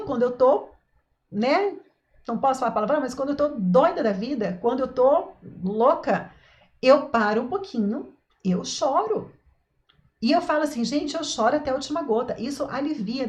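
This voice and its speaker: A woman hosts a parenting live stream, praising viewers and asking them questions. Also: sits high. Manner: warm, encouraging, asks the audience questions.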